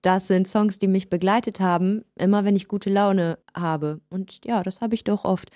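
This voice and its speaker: A woman's voice: medium pitch, steady tone, moderate pace, a little mellow, no room sound, clean studio sound. A young woman from Germany, a singer, answering interview questions in a friendly way with simple short sentences. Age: young adult. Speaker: singer, guest.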